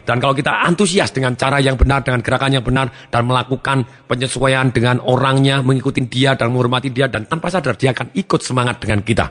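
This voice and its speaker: A man's voice: medium pitch, fast talker, few pauses, a bit bright. A man giving a motivational seminar talk, speaking emphatically and acting out different tones of voice to make his points. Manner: emphatic, acts out tones of voice to demonstrate. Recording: long hall reverb, faint music behind.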